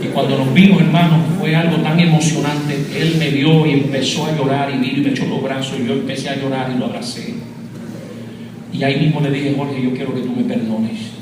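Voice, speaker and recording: A man's voice: medium pitch, level tone, a little fast. A man from Rico, giving a fervent testimony sermon and calling his listeners brother. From Puerto Rico. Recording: echoey hall, distant mic, noisy.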